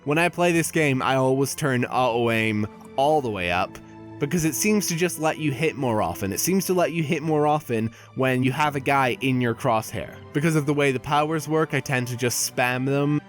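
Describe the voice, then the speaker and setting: A man reviewing a video game in a casual, opinionated and conversational way. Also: medium pitch. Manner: opinionated, conversational, with small restarts.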